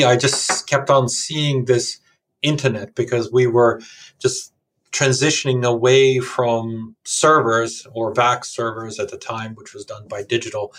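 A man's voice: mid-range voice, fairly bright tone. A middle-aged man from Serbia, a company founder, telling his life story casually in an interview.

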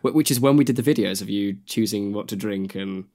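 A man's voice: on the low side, brisk, mellow. A young man, co-hosting a podcast in chatty, enthusiastic talk. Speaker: podcast co-host. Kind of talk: casual podcast chat.

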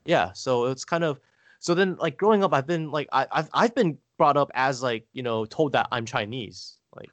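A man's voice: medium pitch, moderate pace, fairly bright tone, no room sound. An American man chatting casually as a guest, rambling and hesitant with lots of "like" fillers. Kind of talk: casual conversation.

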